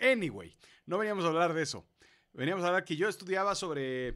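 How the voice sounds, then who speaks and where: Over a quiet background, a man with a Mexican accent speaks in a high, bright, sharp voice at a fairly quick pace, with an animated tone and lively intonation. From Mexico. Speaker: podcast host, writing coach. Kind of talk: casual live-stream monologue; casual live stream monologue. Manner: animated, conversational. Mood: animated, slightly worked up. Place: home room. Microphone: webcam.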